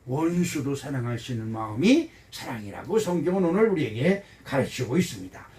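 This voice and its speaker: A man in his seventies, a pastor giving a folksy, animated sermon and asking his congregation questions. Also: medium pitch, brisk. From Korea. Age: 70s. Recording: voice heard from some distance.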